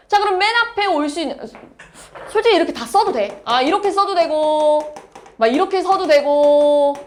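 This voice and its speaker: A woman's voice: high-pitched, a little hiss or hum. A woman math teacher lecturing a class, explaining step by step and asking her students questions.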